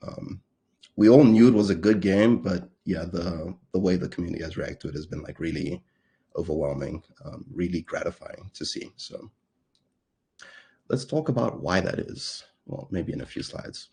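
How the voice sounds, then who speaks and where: Deep and warm with a breathy edge, the voice of a young South African moves at a moderate pace through a relaxed, playful conference talk. Self-deprecating jokes and frequent fillers mark his delivery.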